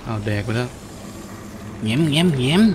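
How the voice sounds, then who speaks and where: A man's voice: mid-range voice, lively intonation, normal speed, noisy background. A man doing gameplay commentary, full of exclamations and interjections as he reacts to play. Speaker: video game streamer. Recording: game music behind the voice. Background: video game music and effects.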